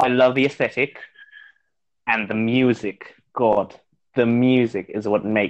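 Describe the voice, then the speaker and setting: This man speaks at a medium pitch with a British accent, at a fairly slow pace with long, frequent pauses. His intonation is fairly even, against a quiet background. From Mexico. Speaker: guest. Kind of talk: casual chat.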